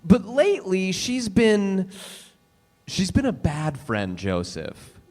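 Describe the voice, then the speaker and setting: A man reading a dramatic monologue as an earnest, scolding big brother talking to his little brother, with halting delivery. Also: high-pitched, huge pitch swings, darkish tone, full character voice. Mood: earnest, wistful.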